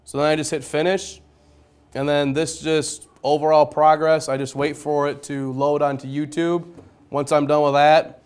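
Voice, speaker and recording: A man who teaches geometry speaks in a loud, smooth, resonant voice. He explains his classroom setup plainly, one step at a time, like a demonstration for colleagues. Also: fairly high pitch. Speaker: high school geometry teacher.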